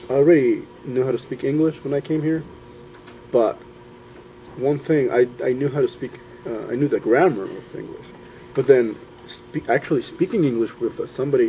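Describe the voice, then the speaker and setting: A man's voice: mid-range voice, a little fast, mellow, slight background noise, low-quality recording. Reflective young man from Honduras. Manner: thoughtful, hesitant with fillers and restarts. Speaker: student interviewee. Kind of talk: personal testimony.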